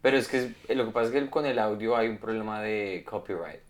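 A man co-hosting a podcast, asking questions and reflecting in a relaxed, curious way. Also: on the low side, a little fast. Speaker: podcast co-host. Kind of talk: casual chat.

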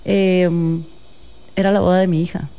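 A young woman with a Guatemalan Spanish accent talks as an interview guest, her tone mellow and warm. She tells her stories in an unhurried, thoughtful way, pausing and hedging now and then as she works out what to say. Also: on the low side, flat delivery, slight background noise. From Guatemala City. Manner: thoughtful, storytelling with hesitations. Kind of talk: casual conversational interview.

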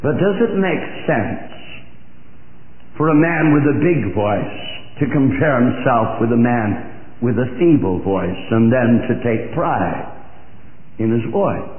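An older man preaching a sermon with a big, emphatic voice, speaking slowly. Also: mid-range voice, expressive. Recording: echoey hall on a tinny, phone-like old recording.

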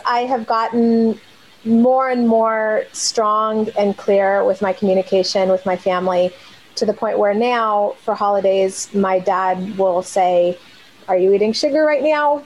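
A woman from California speaking with clear, confident delivery. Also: medium pitch, steady tone, a little slow, darkish tone, muffled recording. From California, USA. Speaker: program member sharing testimony. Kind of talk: casual home video testimony.

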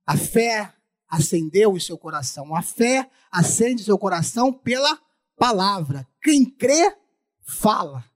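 A man's voice: sits high, sing-song, a little slow. A man with a Brazilian Portuguese accent preaching a sermon through a face mask, repeating phrases for emphasis.

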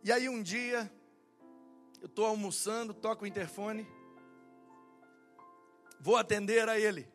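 A man's voice: sits high, a little slow, pauses often, faint music behind. A young man preaching as a pastor, telling a story and acting out the dialogue. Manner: animated, acts out dialogue in quotes. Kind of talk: sermon storytelling.

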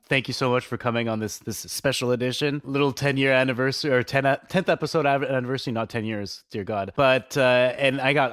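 A man's voice: medium pitch, fairly bright tone, clear, resonant tone. A man hosting a casual podcast interview, enthusiastic and chatty, who laughs easily. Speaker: podcast host.

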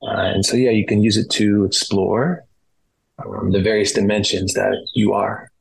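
A man giving explanatory answers as a podcast guest, in a measured, reflective way with pauses. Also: on the low side, flat delivery, gravelly, husky, rough recording. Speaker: podcast guest, retreat practitioner. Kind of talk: explanatory interview talk.

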